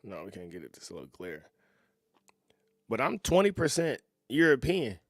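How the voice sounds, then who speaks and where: Relaxed man reacting, dry sound. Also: medium pitch, moderate pace, no echo. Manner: relaxed, conversational, agreeing, chuckles often. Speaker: reaction video host. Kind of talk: casual reaction commentary.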